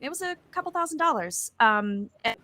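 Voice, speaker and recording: A woman's voice: high-pitched, animated, fairly quick, pushed and bright. A woman speaking as an audio drama creator, recounting her experience in a casual panel discussion.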